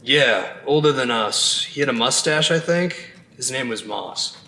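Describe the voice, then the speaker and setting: A man's voice: mid-range voice, expressive, unhurried, pushed and bright, full character voice. An actor playing a blunt, determined younger man in an audio drama, talking in a dry, matter-of-fact way. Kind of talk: naturalistic audio drama dialogue. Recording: noisy ambient sound bed.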